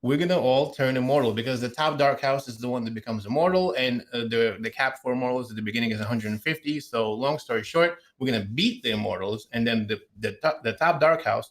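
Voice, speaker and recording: A man co-hosts a gaming podcast with energetic, rambling explanations. His voice is mid-pitched and ordinary. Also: fast talker, hardly any pauses. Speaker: podcast co-host. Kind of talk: casual podcast chat.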